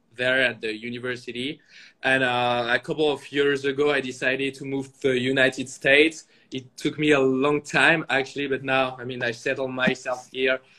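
A man talks in a bright, sharp tone with monotone, flat intonation. His pace is fairly slow. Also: medium pitch for a man. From southern France, Nice. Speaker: sports betting entrepreneur. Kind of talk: interview testimony.

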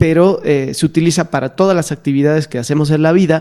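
A man's dark, mellow tone sits at a fairly high pitch with ordinary pitch variation. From Argentina, Rosario. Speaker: podcast host, singer and Alexander technique teacher. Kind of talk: casual chat. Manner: halting.

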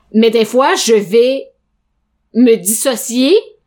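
A woman with a Quebec accent speaks at a fairly high pitch. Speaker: podcast co-host. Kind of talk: casual chat.

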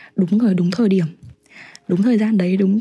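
A woman of medium pitch with fairly even intonation and music in the background. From northern Vietnam, Hai Phong. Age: 20s. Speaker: university student, podcast guest. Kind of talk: casual interview.

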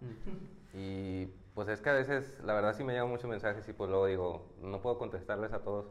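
At a fairly quick pace, a man speaks in a fairly low pitch with ordinary pitch variation. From Mexico, Torreón, Coahuila. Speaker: content creator. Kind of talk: interview. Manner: halting.

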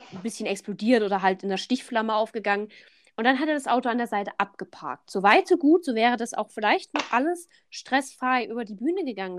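The speaker's pitch swings very widely at a moderate pace, on a very clean recording with a silent background and a dry, close sound with no echo. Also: woman. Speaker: motorsport podcast host. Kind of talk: casual chat.

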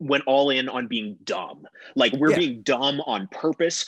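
This man has a fairly high pitch and a Western Canadian accent, speaking at a moderate pace with lively intonation. The sound is dry and close, with no echo. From Alberta, Canada (Lethbridge). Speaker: musician. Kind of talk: casual chat. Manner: animated.

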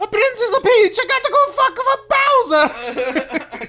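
This put-on character voice has an Italian accent and an extremely high pitch. It moves at a moderate pace. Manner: exaggerated, comic.

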